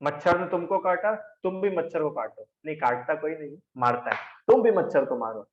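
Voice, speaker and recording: Male teacher, class lecture, slightly high voice, roomy dull recording, rhetorical questions and answers. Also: lively intonation, moderate pace, slight background noise. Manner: argues in rhetorical questions and answers, quizzes students by name. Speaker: religion teacher.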